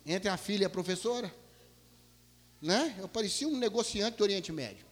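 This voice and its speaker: A male pastor telling a story in a sermon, animated, swinging from loud bursts to hushed low tones. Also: normal speed. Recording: long hall reverb.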